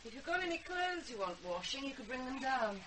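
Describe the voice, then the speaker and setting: A woman's voice: high-pitched, very animated, brisk, noisy background. An actress playing a fretful, exasperated mother with a British accent in a radio drama. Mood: subdued. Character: anxious, exasperated mother of a teenage girl.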